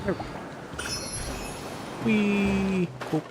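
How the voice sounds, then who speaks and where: A streamer with a high voice and little pitch movement speaks very slowly while playing a video game, with game music behind him. His commentary is casual, playful and irreverent, full of crude humour and joking, and he reads some of the dialogue aloud.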